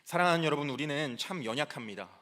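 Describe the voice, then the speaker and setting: A man's voice: a little high, lively intonation, fast, bright, forceful tone. A man, a junior pastor, preaching a sermon in church in an earnest way and repeating key phrases for emphasis.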